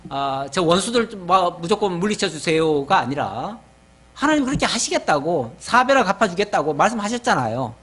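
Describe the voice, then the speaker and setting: A male pastor giving a Bible sermon with a fairly high, very animated voice that rises and falls a lot. He reads scripture aloud, then explains it in a relaxed, talking tone, and often drops in short affirmations. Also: slightly rough.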